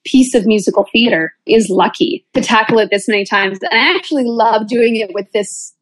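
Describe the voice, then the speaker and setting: A woman's voice: fairly high pitch, moderate pace, no echo, poor audio. A woman, an actress, answering questions conversationally as an interview guest.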